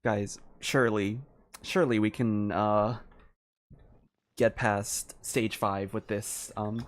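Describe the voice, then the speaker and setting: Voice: mid-range voice, fairly even intonation, slow pace. A game streamer talking casually and thinking aloud, in an informal, hesitant and rambling way. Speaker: livestreamer playing a game.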